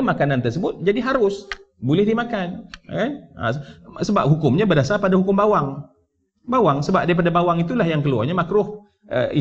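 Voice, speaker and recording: A man with a Malaysian Malay accent teaching a conversational Quran commentary class in a mosque, asking his listeners questions and dropping in English words. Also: fairly high pitch. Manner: animated, conversational, asks the audience questions and mixes in English words. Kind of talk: mosque lecture. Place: large mosque hall. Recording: dull livestream audio from a mosque.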